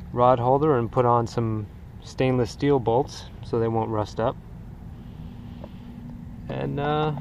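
A man with a medium-pitched voice, a kayak angler, shows off his gear in casual show-and-tell narration, relaxed and rambling with frequent "uh" fillers. He's outdoors on shallow water beside his kayak. An action camera mounted on the kayak picks him up, and the outdoor audio is noisy.

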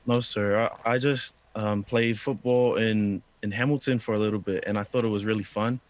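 A man's voice: fairly low pitch, steady tone, normal speed. A young man from New Zealand on a video call, answering politely and earnestly, calling the host sir. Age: young adult. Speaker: interviewee. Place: indoor room.

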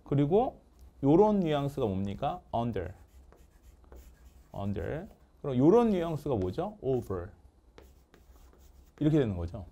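A man teaching English vocabulary in a lively lecture, drilling words call-and-response and joking with his producer. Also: medium pitch, slow pace, long pauses. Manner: call-and-response drilling, asks "됐습니까?" often; jokes with the producer off camera.

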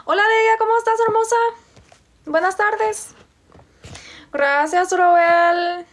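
A young woman from Virginia hosts an informal livestream from her home, holding her phone close while she greets viewers by name and reads out and answers their comments. She speaks slowly and steadily in an extremely high-pitched voice.

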